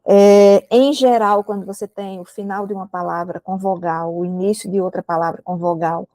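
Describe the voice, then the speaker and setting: A woman's voice: mid-range voice, steady tone, normal speed, dark tone, dry recording. A woman with a Brazilian Portuguese accent teaching a recorded literature lecture to exam students, explaining patiently and often checking in with the class. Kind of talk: recorded prep-course lecture. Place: indoor room with a window, rain outside.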